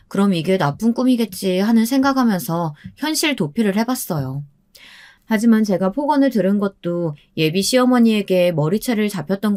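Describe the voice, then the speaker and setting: A woman's voice: medium pitch, darkish tone. Woman narrating a radio story. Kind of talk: scripted first-person narration.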